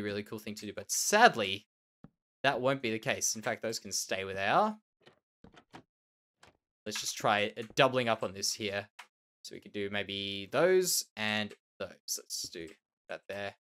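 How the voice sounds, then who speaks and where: A lowish, expressive male voice, a bit bright and moderately paced, provides casual commentary for a Minecraft let's play. The Australian host is nasal and slightly tender, musing about his own build and repeating words.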